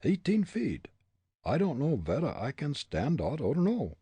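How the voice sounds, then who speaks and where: A man's voice: a little high, huge pitch swings, unhurried, dark tone, husky, dry recording, pitched above the performer's own voice, heavily acted. A man voicing a bumbling young male detective with a thick mock German-Dutch dialect in a storybook reading. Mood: comic grumbling.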